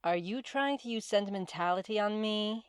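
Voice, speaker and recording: A woman's voice: medium pitch, clean tone, close to an everyday voice. Themis, a woman acting a stern, formal Titaness. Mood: dry. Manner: measured, formal, curt. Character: Themis, stern, formal, imperious Titaness who loves justice. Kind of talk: fantasy comedy audio drama acting.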